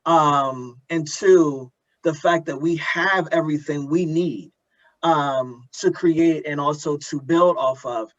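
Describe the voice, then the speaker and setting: A man hosting a conversation, speaking earnestly and reflectively, haltingly repeating words as he builds his point. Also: a little high, fairly bright tone. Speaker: interviewer and host of an audio drama community event. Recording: dull lo-fi audio.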